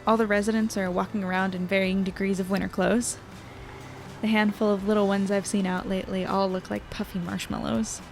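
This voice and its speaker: Actress as young woman journalist, upbeat, conversational first-person narration, audio drama, soft music underneath. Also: medium pitch, lightly acted. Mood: cozy, observant.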